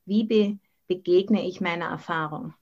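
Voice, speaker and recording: A woman's voice: lowish voice, unhurried, darkish tone. Austrian woman teaching, dull call audio. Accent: Austrian German. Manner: mixes English words into German. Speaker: Buddhist nun and meditation teacher. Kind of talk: informal dharma talk. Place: online video call from the monastery. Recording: dull, band-limited video call audio.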